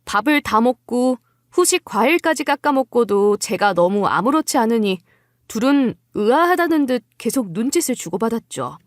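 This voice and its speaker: A woman playing a wary, quietly cunning young wife, telling her story in scripted first-person narration with composed politeness. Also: a little high, very animated, moderate pace, dry recording, clean studio sound. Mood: wry, confiding.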